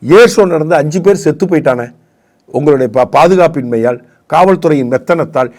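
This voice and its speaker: A man's voice: on the high side, brisk, a little mellow. Combative male commentator. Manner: combative, repeats rhetorical questions, frequent self-restarts. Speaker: political commentator. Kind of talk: heated political talk show debate.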